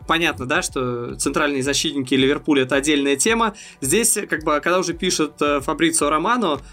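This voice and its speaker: A man's voice: fairly high pitch, a bit bright. A man co-hosting a football podcast, talking things through in a thoughtful, analytical way with hesitant fillers. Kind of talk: casual chat.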